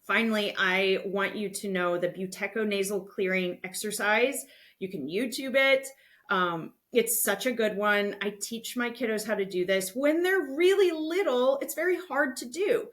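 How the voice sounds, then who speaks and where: A woman's voice: medium pitch, normal speed, a bit bright. A woman hosting a podcast, explaining things to parents in a conversational, instructive and reassuring way. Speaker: podcast host.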